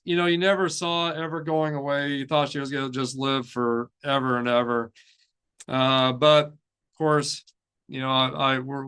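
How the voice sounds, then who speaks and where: A man hosting a music news show, speaking in a casual, off-the-cuff way with halting, rambling delivery and repeated phrases. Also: mid-range voice, a bit bright, smooth. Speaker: host of a heavy metal news show.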